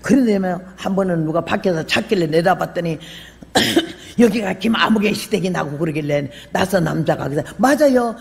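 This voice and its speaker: An older woman missionary preaching a sermon, telling her own story with lively acted-out voices and sudden shouts. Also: fairly low pitch, normal speed, creaky. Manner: animated storyteller, acts out quoted voices, bursts into shouts. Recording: long hall reverb.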